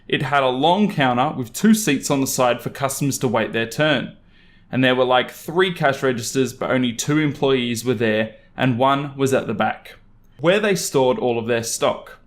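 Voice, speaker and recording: A man working as a storytelling narrator, reading an online story aloud in an animated style. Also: medium pitch.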